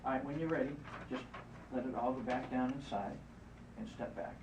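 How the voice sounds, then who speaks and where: A hypnotist guiding a volunteer through a live exercise, repeating encouraging instructions. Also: male voice, mid-range voice, brisk, background noise. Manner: coaching, repetitive, encouraging. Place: event room. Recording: roomy, distant, muffled live event recording.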